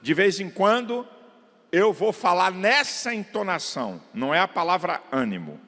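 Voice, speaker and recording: A middle-aged man preaching a fiery sermon in a large church, his high voice leaping up and down in pitch. He shouts the peaks, drops to quiet asides, and stretches out words for weight. His sound rings with a long hall reverb. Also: big pitch swings, moderate pace. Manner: emphatic preaching, swings from shouts to low asides; draws out words for emphasis. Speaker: pastor.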